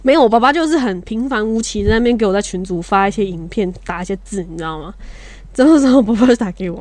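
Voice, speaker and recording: A young Taiwanese woman talks quickly in casual podcast chat. Her manner is blunt and fiery, and she often laughs through her stories. The sound is close and dry, with no room echo. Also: mid-range voice, lively intonation, a little mellow. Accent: Taiwanese Mandarin. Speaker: podcast co-host, younger sister.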